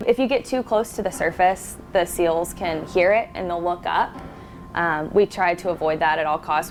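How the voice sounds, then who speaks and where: Over background music, a woman with an Oklahoma accent speaks at a moderate pace in a fairly low voice with ordinary pitch variation. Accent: American, Oklahoma. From Oklahoma, US. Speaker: marine biology researcher. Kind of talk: interview explanation. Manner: casual with many fillers.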